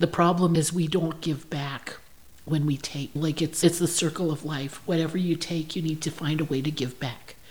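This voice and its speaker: A woman's very deep, low voice, somewhat breathy, in a flat monotone at a moderate pace. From southern Alberta, Canada (Blackfoot reserve). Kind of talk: casual interview, storytelling.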